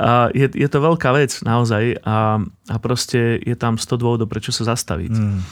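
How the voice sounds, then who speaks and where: This man has a normal speaking voice with ordinary pitch variation. He talks at a moderate pace. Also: medium pitch for a man. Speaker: pastor. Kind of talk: casual chat.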